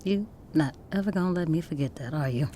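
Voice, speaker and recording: A woman's voice: sits low, fairly quick, mellow, slight background noise, close to an everyday voice. An actress in an audio drama playing a bold, protective woman activist who is kindly to strangers and speaks firm, coaxing Black American vernacular. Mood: wry. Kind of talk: naturalistic audio drama acting.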